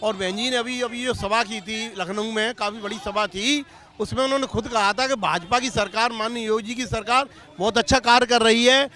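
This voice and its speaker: Man politician, very high pitched and bright, blunt mocking rebuttals, hushes hecklers, faint crowd. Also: fairly even intonation, moderate pace. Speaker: ruling party politician. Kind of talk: debate rebuttal.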